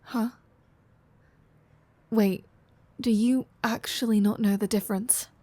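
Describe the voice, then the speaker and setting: A woman's voice: a little high, fairly even intonation, mellow, dry recording. A woman playing a flirty, sardonic female vampire in an intimate roleplay audio drama, teasing and casual. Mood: casual explaining. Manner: teasing, casual, sardonic, with sighs and drawn-out phrasing.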